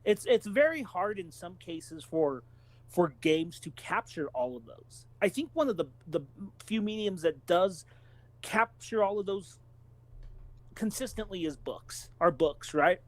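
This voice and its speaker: A man's voice: high-pitched, very animated, a little slow. A man co-hosting a podcast, explaining his opinions analytically in casual, stop-and-start phrases. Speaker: podcast co-host.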